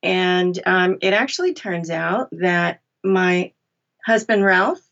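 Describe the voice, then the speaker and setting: A woman's voice: lowish voice, slow pace, fairly bright tone. American woman on dull, lo-fi audio. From Berkshires, western Massachusetts, US. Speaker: podcast guest, audiobook narrator. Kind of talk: casual conversational storytelling.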